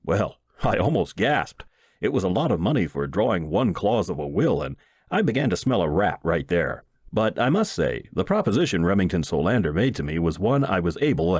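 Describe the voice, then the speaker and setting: An audiobook narrator with a fairly low male voice reads a first-person short story in an expressive, folksy way. The studio-quality recording has no echo.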